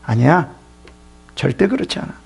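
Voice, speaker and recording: Man playing god, firm declaring voice, husky, gravelly. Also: medium pitch, very animated, normal speed, a little mellow, heavily acted. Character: firm, reassuring male God.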